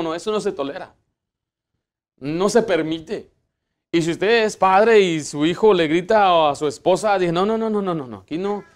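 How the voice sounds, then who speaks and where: High-voiced man preaching a sermon. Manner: earnest preaching with rhetorical questions to the congregation. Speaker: pastor. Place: church sanctuary.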